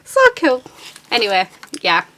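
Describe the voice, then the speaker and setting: A woman's voice: mid-range voice, lively intonation, unhurried, bright, forceful tone, a little hiss or hum. A woman hosting a casual, chatty craft demonstration at a desk, with an enthusiastic, chirpy manner. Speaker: crafting channel host.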